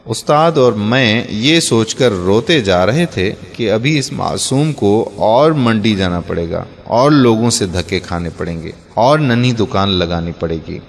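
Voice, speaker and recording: A man's voice: on the low side, animated, gravelly, hardly any pauses. A man earnestly narrating a heartfelt first-person moral story, ending in pleading appeals to his listeners. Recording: long reverb on the voice.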